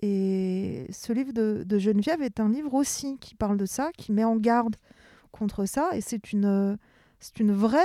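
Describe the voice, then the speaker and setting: A woman's dark, mellow tone at a fairly high pitch, a fairly slow pace and ordinary pitch variation. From Paris, France. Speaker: novelist and translator. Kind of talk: interview about reading. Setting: empty cinema hall.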